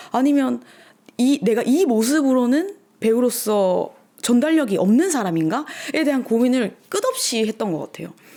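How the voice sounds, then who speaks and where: Over noticeable background noise, a woman speaks at a high pitch and a moderate pace with very wide pitch swings. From South Korea, Busan. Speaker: musical actress. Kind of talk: interview.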